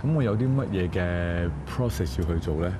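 Young male host, casual and lively interviewer, slightly low voice, noisy lapel sound in a church. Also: fairly quick. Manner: animated, chatty, many "yes" and "okay" back-channels. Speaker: TV show host. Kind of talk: casual interview, mixing Cantonese and English. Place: inside a large church.

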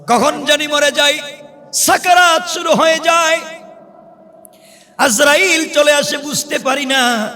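Male Islamic preacher, high-pitched and piercingly bright, dramatic plaintive storytelling with chanted touches. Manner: plaintive, dramatic, repetitive phrasing with drawn-out calls. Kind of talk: emotive storytelling sermon, chanted in places. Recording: long hall reverb from PA.

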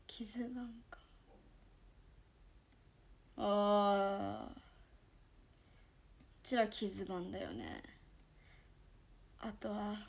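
A young woman from Toyama with a Toyama dialect, chatting casually on her livestream and reacting to viewer comments, dropping to soft murmurs and then bursting out brightly. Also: medium pitch. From Toyama, Japan. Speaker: idol livestream host.

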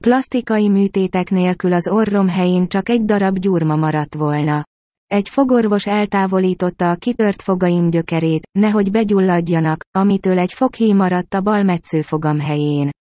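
Low, dark-toned woman reading an audiobook. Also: no echo. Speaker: audiobook narrator. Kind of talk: first-person audiobook narration.

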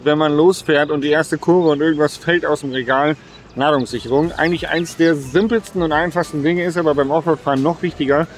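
A man in his thirties with a slightly high voice explains things to his viewers in an upbeat, direct way. He stands outdoors on a gravel lot next to a van. A faint hum of outdoor ambience sits behind his voice. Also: steady tone, fairly quick. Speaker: vlogger presenting driving tips. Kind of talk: casual explanatory vlog talk.

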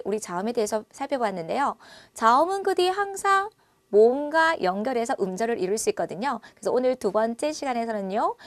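A woman teaches Chinese vowels in a recorded online lesson. Her voice sits fairly high, and she talks with lively energy. She sounds out each vowel loudly and slowly, close to a dry mic. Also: no room sound.

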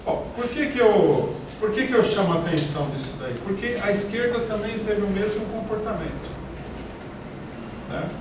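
A middle-aged man with a Brazilian Portuguese accent giving a political lecture in a small meeting room, speaking in a measured way with many pauses and restarts. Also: high-pitched, expressive. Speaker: party leader giving a lecture. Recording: echoey room, picked up from a distance, noisy.

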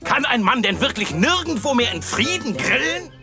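A grumpy old cartoon gentleman, theatrical and exasperated. His high voice swoops up and down over loud music. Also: sing-song, moderate pace, exaggerated voice. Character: grumpy old man who just wants to grill in peace. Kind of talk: children's cartoon dubbing.

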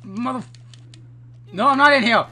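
A man's voice: extremely high pitch, moderate pace, pushed and bright. A young man chatting casually and thinking aloud as he plays a game as co-host of a let's play. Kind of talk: casual chat while gaming. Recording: clearly noisy home recording.

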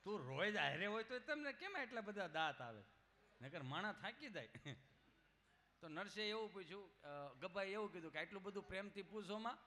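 A man's voice: high-pitched, big pitch swings, moderate pace, bright, forceful tone, a little hiss or hum. A man doing chatty, teasing stage humor storytelling at a live show, talking straight to the crowd. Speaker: stage comedian.

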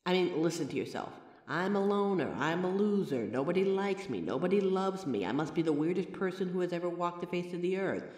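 A woman's voice: fairly low pitch, lively intonation, brisk, hardly any pauses, close to an everyday voice. A woman playing a chatty, reassuring mirror reflection. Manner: chatty, warm-hearted reassurance, self-aware rambling. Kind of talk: comfort roleplay audio. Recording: roomy echoey recording with long reverb.

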